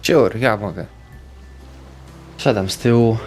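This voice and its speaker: A man's voice: fairly low pitch, takes it slowly, darkish tone, soft background music. A man speaking in character in a tabletop roleplaying game, hesitant and jumpy, slipping into whispers. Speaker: player.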